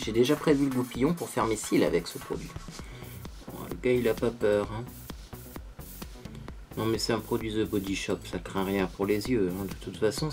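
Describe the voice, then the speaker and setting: Guy chatting thru his makeup routine, mid pitch, self-mocking, lots of little asides. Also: darkish tone. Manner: chatty, self-mocking, tags sentences with "hein". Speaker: beauty vlogger. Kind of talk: casual makeup tutorial.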